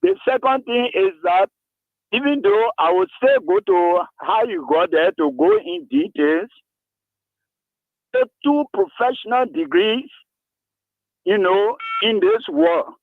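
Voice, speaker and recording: A man in his seventies with a Liberian English accent, calling in to a radio talk show and speaking slowly about himself. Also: very high voice, dry recording. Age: 70s. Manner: slow, lively rises and falls, gravelly. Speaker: caller. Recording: tinny dry phone line.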